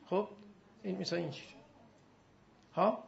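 A man teaching Arabic grammar in a classroom, chanting verb forms in rhythmic drills and firing quick questions at his students. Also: high-pitched, fairly even intonation, creaky. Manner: recites verb forms in a loud rhythmic chant, then drops to quiet asides. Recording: dull lo-fi recording with faint background noise.

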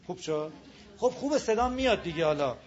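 A man's voice: high-pitched, lively intonation. A man teaching a recitation class, patiently repeating each rule and modelling the pronunciations aloud. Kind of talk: live class lecture on tajweed. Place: classroom with a board. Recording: dull lo-fi classroom recording.

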